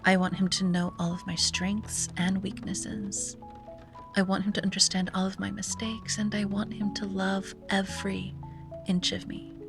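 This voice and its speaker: A woman playing a wistful, self-doubting young sea-witch in an ASMR roleplay, speaking softly and breathily with hesitant musing and frequent drops to a whisper. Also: mid-range voice, flat delivery, normal speed, music in the background, lightly acted. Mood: tender, yearning. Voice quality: breathy, often dropping to a whisper. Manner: hesitant, musing, sighing, gently playful. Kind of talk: ASMR roleplay, soft intimate monologue.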